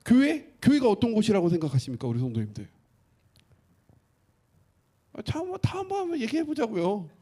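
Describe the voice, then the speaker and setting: A male pastor preaching a sermon, asking the congregation questions and acting out quotes in an animated way. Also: high-pitched.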